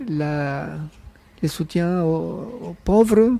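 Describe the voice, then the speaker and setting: With a Spanish accent, a man speaks at a high pitch with ordinary pitch variation. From Colombia. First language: Spanish (speaking French). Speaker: immigrant interviewee. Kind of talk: radio interview testimony. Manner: halting, many hesitations.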